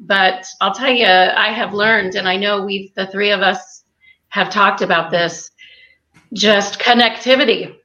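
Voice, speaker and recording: Chatty woman guest, bright tone, dull lo-fi call audio from a kitchen. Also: medium pitch, steady tone, measured pace. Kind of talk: casual video call chat. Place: home kitchen. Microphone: video call.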